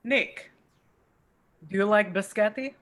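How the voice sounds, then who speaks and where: Female reader as male vampire prankster: deadpan, smug, mid-pitched, script read on a home video call. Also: slow. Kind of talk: table read of a film script.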